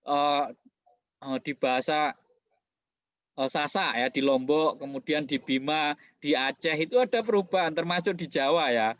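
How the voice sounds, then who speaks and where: A man hosting a casual interview, agreeing often and chatting warmly. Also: fairly high pitch, moderate pace, pauses often, dry recording. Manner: warm, agreeable, frequent affirmations. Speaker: host. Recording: dull, dry lo-fi sound.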